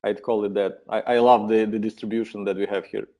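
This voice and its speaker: A man with a Ukrainian accent presenting a webinar in a relaxed, friendly way, with many filler uhs. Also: fairly low pitch, fast.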